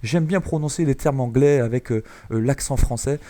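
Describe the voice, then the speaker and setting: A man's voice: medium pitch, normal speed, mellow. A man from France giving chatty, explanatory commentary over a shooter gameplay video, with many hesitations. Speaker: gaming YouTuber.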